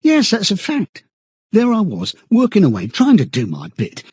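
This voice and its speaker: A man's voice: high voice, huge pitch swings, moderate pace, a little mellow, slightly rough, dry recording, pitched above the performer's own voice, heavily acted. A man voicing a frightened, servile, middle-aged party loyalist in an audiobook, stammering and eagerly chummy. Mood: sanctimonious, eager. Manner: stammering, chummy old-fashioned British chap talk, sententious.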